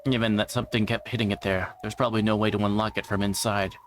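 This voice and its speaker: A man's voice: on the low side, flat delivery, quick pace, a little hiss or hum. A man reading a visual novel's narration aloud on a livestream, in a storytelling style. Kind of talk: dramatic read-aloud narration of a game script.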